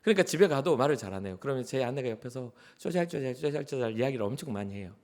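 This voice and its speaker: A middle-aged man preaching a sermon as a church pastor, in a conversational way, acting out quotes and sometimes dropping to a soft whisper. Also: medium pitch, expressive, rapid-fire. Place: church sanctuary.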